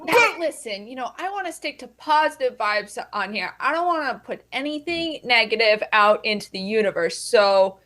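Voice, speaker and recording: Brief: high-voiced woman, rambling and hedging, video call. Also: animated, moderate pace, hardly any pauses, a bit bright. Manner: rambling, hedging, many you-knows. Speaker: improv performer playing a judge.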